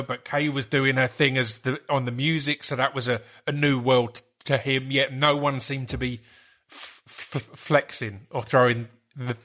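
A man's voice: mid-range voice, pushed and bright. A man with an Essex accent hosting a casual, conversational podcast interview. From Essex, England. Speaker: podcast host.

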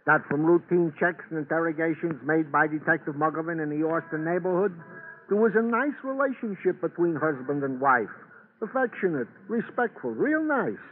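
A man's voice: fairly high pitch, expressive, normal speed, a little hiss or hum, natural voice. An actor playing a chatty, wordy police officer briefing his lieutenant in a 1950s radio drama. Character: chatty, wry police desk sergeant. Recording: tinny old radio broadcast.

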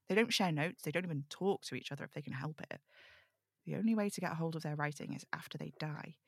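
A woman's voice: fairly low pitch, no room sound, clean studio sound. A woman playing a rambling, fretful young amateur occult investigator in an audio drama table read, chatty and self-interrupting, confiding in her listeners. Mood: wry, resigned.

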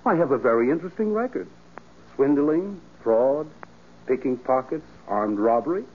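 A man's voice: mid-range voice, lively intonation, moderate pace, lightly acted. Suave mocking swindler, played by a man, old radio. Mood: boastful. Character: smooth, self-assured criminal swindler and blackmailer. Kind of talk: 1940s radio crime drama acting. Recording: muffled, tinny old radio recording.

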